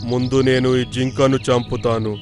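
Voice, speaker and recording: A man's voice: mid-range voice, little pitch movement, normal speed, darkish tone, soft background music, close to an everyday voice. A man voicing a menacing, predatory black wolf in a children's cartoon, threatening and gloating. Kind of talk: Telugu children's cartoon voice acting.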